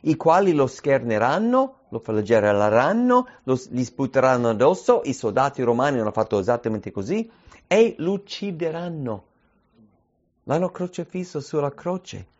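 A man's voice: mid-range voice, very animated, moderate pace, darkish tone. Man, preacher, sermon, emphatic, rhetorical questions, muffled lo-fi recording.

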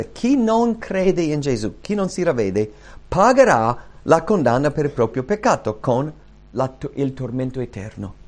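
A man of middle pitch preaching a sermon. He teaches in an earnest, explanatory way and leans into key phrases with sudden emphasis. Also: a little mellow.

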